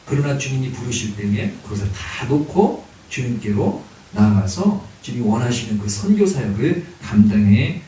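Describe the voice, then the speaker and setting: A man's voice: on the low side, dark tone. A male pastor preaching a sermon, emphatic, with exclamations and rhetorical questions. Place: church sanctuary. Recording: very echoey church hall, distant mic, hiss.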